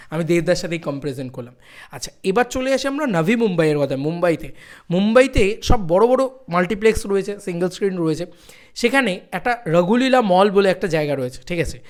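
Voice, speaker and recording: Young man, high voice, excitable, emphatic, repeats lines for hype, fan vlog chatter. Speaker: film fan YouTuber. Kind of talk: excited fan vlog about box office.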